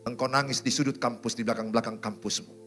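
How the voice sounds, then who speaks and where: A pastor preaching a dramatic sermon, acting out people's prayers with sudden leaps up to high wails and drops to low murmurs. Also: male voice, fairly even intonation, fast talker, fairly bright tone, soft background music. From Indonesia. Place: church hall.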